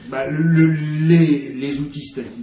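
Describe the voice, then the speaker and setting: A man with a fairly high pitch speaks with lively intonation over noticeable background noise and audible room echo. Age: old. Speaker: political commentator. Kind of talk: radio discussion on economics.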